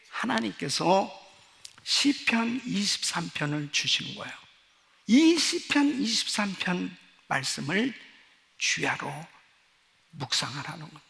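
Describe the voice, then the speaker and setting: Gravelly man preaching in a reverberant church. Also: sits high. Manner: emphatic storytelling, swings from hushed to loud. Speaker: pastor. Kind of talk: sermon. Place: large church sanctuary.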